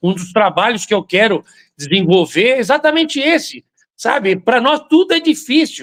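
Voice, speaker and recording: At a moderate pace, a man talks with an extremely high pitch and very wide pitch swings. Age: 60s. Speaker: political candidate. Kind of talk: interview. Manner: hesitant, repeated fillers.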